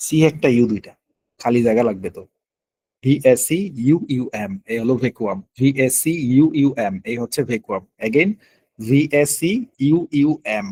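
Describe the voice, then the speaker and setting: A man's voice: lowish voice, dark tone, husky, no room sound. A man running a live online spelling quiz, counting down and spelling words out letter by letter. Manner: patient, explanatory. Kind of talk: live online class, calling on students.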